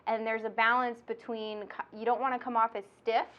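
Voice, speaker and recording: A woman's voice: a little high, flat delivery, brisk, dull audio. A woman with a nasal voice, hosting and teaching in a bubbly, chatty way. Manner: bubbly, chatty, laughs often. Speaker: instructor and podcast host. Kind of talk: casual instructional chat.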